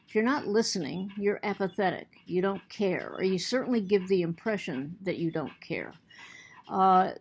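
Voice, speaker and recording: A woman's voice: mid-range voice, darkish tone. A woman teacher giving a recorded lecture to her students, earnest, often repeating and restarting words, and she has the hiccups.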